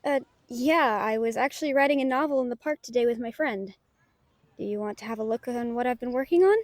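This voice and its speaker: A woman's voice: on the high side, a little fast, dry recording, close to an everyday voice. A woman playing a casual, friendly female novelist in an audio drama, with an informal, slightly hesitant way of talking. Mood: friendly, modest. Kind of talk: naturalistic audio roleplay acting.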